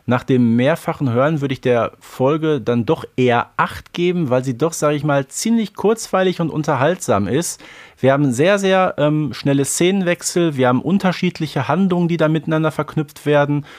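A man co-hosting a casual podcast. He talks in a relaxed, matter-of-fact way, with the odd filler. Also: fairly high pitch, moderate pace. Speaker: podcast co-host.

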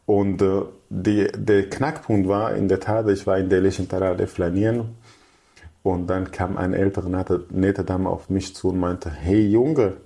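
Deep gravelly man. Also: little pitch movement, unhurried, mellow. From Syria. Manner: fluent but non-native, restarts, acts out quoted people. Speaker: guest. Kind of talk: casual interview chat.

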